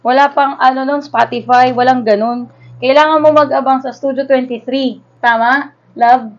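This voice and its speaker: A woman's voice: sits high, fairly even intonation, normal speed. A Filipino woman in her thirties chatting casually and nostalgically in Taglish as she vlogs an unboxing. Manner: nostalgic, informal, conversational. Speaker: vlogger unboxing a collectible. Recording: dull lo-fi sound.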